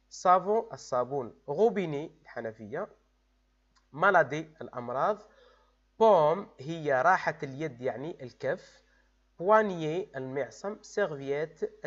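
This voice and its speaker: A man, teaching French grammar and spelling out verb endings letter by letter. His voice sits somewhat high and comes through a dull, lo-fi recording. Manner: switches between French and Arabic, spelling out letters. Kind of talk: explaining grammar exercises to pupils. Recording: dull, lo-fi sound.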